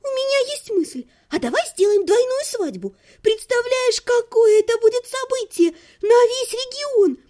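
A woman doing a gushing, high-pitched young noblewoman. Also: expressive, normal speed, hardly any pauses, warm tone. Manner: breathless, high, sing-song enthusiasm. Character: gushing naive young noblewoman, chattering excitedly.

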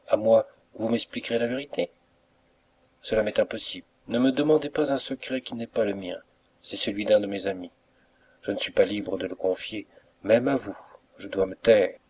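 A man reading an audiobook, voicing a mysterious young suitor who speaks gently and respectfully, with soft reproach. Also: fairly low pitch, fairly even intonation, moderate pace, pauses often, close to an everyday voice. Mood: tender.

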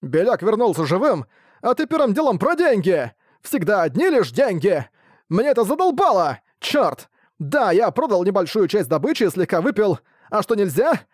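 A man voicing a drunk, whiny male pig merchant who squeals his complaints in shrill outbursts. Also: very animated, moderate pace, no room sound, studio quality. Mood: ranting.

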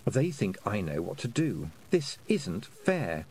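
A man voicing a stubborn, earnest young farm girl in an audiobook, pleading and sharp by turns. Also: on the low side, very animated, slow pace, slight background noise, exaggerated voice. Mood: anxious. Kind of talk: audiobook character voice.

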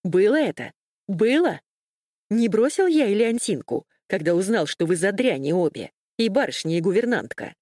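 A woman's voice: medium pitch, very animated, moderate pace, darkish tone, no echo, clean studio sound. Woman doing a harsh domineering young man. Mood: angry. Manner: harsh, commanding, contemptuous.

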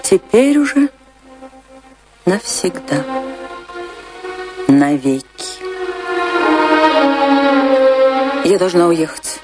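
A low-voiced woman dancer in a radio play, passionate and grieving. She speaks slowly and theatrically, full of wistful emotion, over faint music. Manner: dramatic, slow, emotional delivery. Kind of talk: theatrical radio drama acting.

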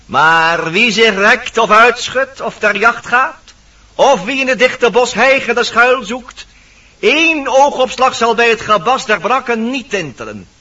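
An actor playing a poetic, commanding narrator of the forest, declaiming verse in a radio drama. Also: male voice, extremely high pitch, lively intonation, measured pace, sharp tone, exaggerated voice. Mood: lyrical. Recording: dull, distant old radio recording.

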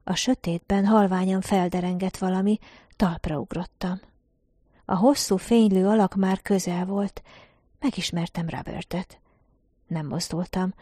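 A woman reading a first-person science-fiction story aloud as an audiobook, in a measured, calm narration. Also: mid-range voice, no room sound, studio quality. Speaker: audiobook reader.

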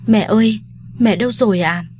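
A woman's voice: medium pitch, moderate pace, darkish tone, a little hiss or hum, close to an everyday voice. A woman voicing a remorseful young adult daughter who speaks politely and apologetically to her mother.

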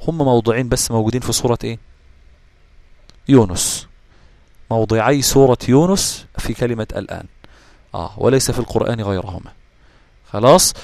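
Fast-talking Egyptian Arabic teacher. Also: male voice, medium pitch, dry recording. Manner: checks understanding with quick questions to listeners; answers his own questions. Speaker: Quran recitation teacher. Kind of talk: explaining tajweed rules to students.

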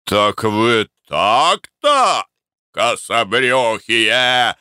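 A man reading aloud, voicing an irritable rich male merchant who owns barges, curt and scolding, shouting slowly and heavily. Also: medium pitch, sing-song, no echo, studio quality, full character voice. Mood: shouting angrily.

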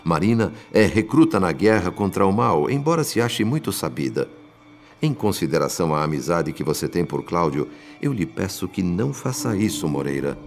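An actor playing a compassionate, earnest spirit mentor who narrates a radio drama in formal, literary diction. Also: male voice, low-pitched, big pitch swings, normal speed. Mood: earnest, pleading.

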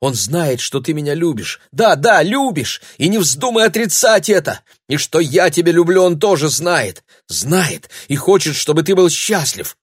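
A man's voice: on the high side, big pitch swings, normal speed, few pauses, slightly rough, dry recording, clean studio sound, voice pushed up. A man voicing a young girl who pleads tearfully and breathlessly, reading an audiobook. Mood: pleading.

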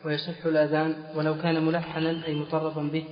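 Young-sounding guy reading the text dead flat, slightly high voice, echoey and muffled. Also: fast. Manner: flat, steady recitation. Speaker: student reading the text aloud. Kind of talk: reading a classical text aloud. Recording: distant voice in a reverberant hall, dull lo-fi.

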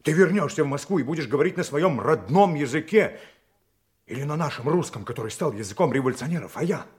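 Guy acting a burdened spy in an audio drama, kinda high male voice, emotional and emphatic. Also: lively intonation, fast, natural voice. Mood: bitter, pained. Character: weary male undercover agent posing as journalist, passionate, burdened.

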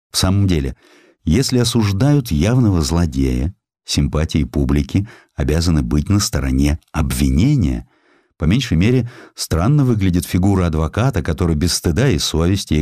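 A man reading a historical sketch as an audiobook narrator, in an expressive, theatrical storytelling style. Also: low-pitched, dry recording, clean studio sound. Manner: theatrical, dramatic storytelling delivery.

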